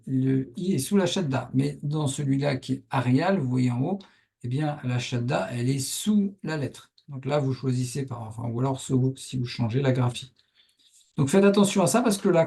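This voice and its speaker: Man teaching in a husky voice. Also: medium pitch, dark tone. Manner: patient, step-by-step, frequent "hein" and "voilà". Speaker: Arabic teacher. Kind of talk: explanatory lesson narration over on-screen writing.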